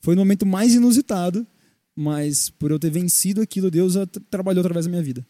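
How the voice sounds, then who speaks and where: A young Brazilian man tells faith stories at a brisk clip on a casual Christian podcast, slipping into the voices of the people he quotes. His tone is deeply dark and mellow, with a slightly raised pitch for a man. The sound is close and dry, with no room around it. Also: no room sound. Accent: Brazilian Portuguese. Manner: animated storyteller, acts out quoted dialogue. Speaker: podcast co-host.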